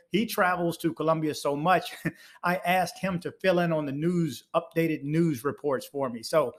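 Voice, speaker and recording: A man hosting a YouTube channel, talking casually as he introduces a video. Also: a little high.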